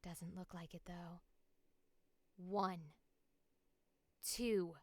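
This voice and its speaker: A woman's voice: lowish voice, fairly even intonation, drawn-out words, dry recording, heavily acted. A woman voicing a tough, hot-headed, fiercely loyal action character in a punchy, dramatic audition read. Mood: menacing, cocky. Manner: punchy, forceful delivery.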